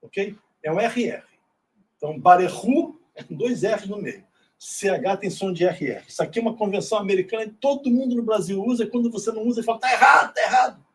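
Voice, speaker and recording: A man's voice: sits high, brisk, a little mellow, slightly rough. A middle-aged man from Brazil giving an informal classroom lecture in an auditorium, often checking in with tag questions. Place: synagogue auditorium.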